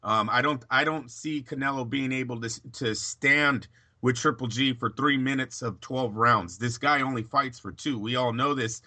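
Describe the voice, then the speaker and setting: A man talking boxing in a casual chat, opinionated, in quick bursts with fillers and restarts. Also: mid-range voice, bright, forceful tone. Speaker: boxing pundit.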